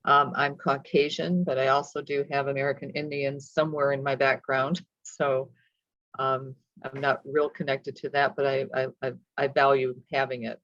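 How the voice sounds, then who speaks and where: A woman from the Chicago suburbs introducing herself on a video call in a chatty, halting way, with frequent restarts. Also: a bass voice, flat delivery, a bit bright, dry recording. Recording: muffled, dry call audio.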